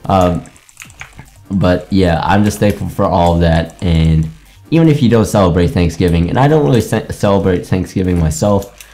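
A young man from Greece with an American accent talks loosely over a game, restarting sentences and piling up fillers. His voice sits low and mellow, with a faint bed of music underneath. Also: moderate pace. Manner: rambling, many restarts and fillers. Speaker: gaming YouTuber. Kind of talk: casual commentary over gameplay.

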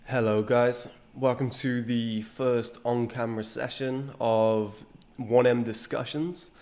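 A man's voice: medium pitch, level tone, takes it slowly, music in the background. Nasal man with a cold. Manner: earnest, gesturing with his hands while explaining. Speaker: fitness channel host. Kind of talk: direct-to-camera talk. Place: small indoor studio room. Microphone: studio microphone on a desk stand.

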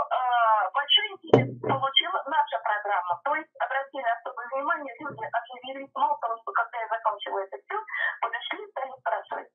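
Female phone-in guest, high-pitched, earnest monologue over a narrow, tinny telephone line. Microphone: telephone through a speaker.

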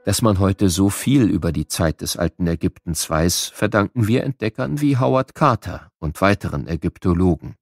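Male narrator for children's educational audio, measured and explanatory, expressive melody, close dry studio sound. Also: low voice, dry recording.

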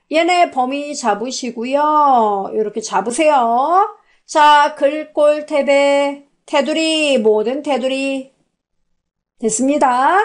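A woman with a high voice walks the class through a spreadsheet step by step. She talks in a chatty way, tossing out questions and answering them herself. It sounds like a voice-over on a screen recording. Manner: chatty, asks and answers her own questions. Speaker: computer instructor. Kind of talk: spoken software tutorial.

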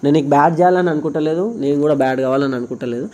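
A man's voice: fairly high pitch, racing, a little mellow. A young man with a Telangana Telugu accent, a vlogger talking earnestly and insistently to his partner on camera, often repeating himself. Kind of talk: emotional on-camera conversation.

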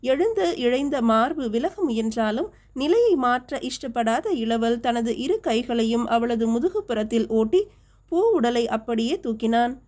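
A woman reads a historical novel aloud as an audiobook narrator. Her delivery is steady and measured. Her voice is mellow and warm and sits slightly high for a woman.

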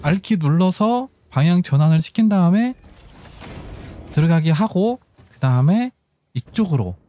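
A man hosts a casual game walkthrough in a slightly mellow voice with highly varied intonation. He explains step by step, thinking aloud. Music plays lightly behind him. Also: lively intonation, unhurried. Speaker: gaming channel host. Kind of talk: casual game tutorial commentary.

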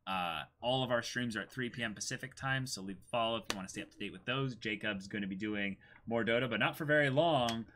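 A man's voice: mid-range voice, fast talker, hardly any pauses, noisy background. A man in his twenties with a North American accent, chatting casually as co-host of a livestream. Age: 20s. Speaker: streamer and co-host. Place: small indoor room.

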